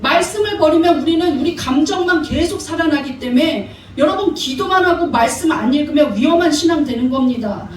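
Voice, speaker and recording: In a church sanctuary, a woman pastor preaches a sermon, exhorting her congregation and often asking them questions. Her voice is high-pitched and animated, a little fast with hardly any pauses. The hall is echoey, the mic is far off, and there's slight background noise.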